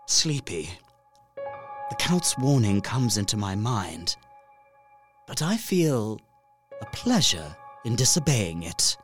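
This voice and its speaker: An anxious young gentleman reading a diary in a gothic horror drama. The delivery is dramatic, dipping into hushed tones and swelling with intensity, at a middling pitch over faint music. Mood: drowsy. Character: young Englishman, anxious diarist trapped in vampire's castle.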